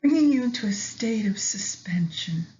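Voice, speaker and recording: A woman leading a guided meditation in a soft, soothing manner with long pauses between phrases. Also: mid-range voice, lively intonation. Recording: slightly dull lo-fi recording.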